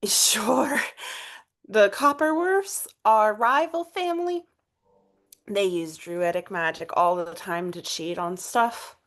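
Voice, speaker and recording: A woman's voice: mid-range voice, slow pace, fairly bright tone. A woman playing an earnest, proudly defensive pig-owning adventurer in a tabletop game, speaking emphatically.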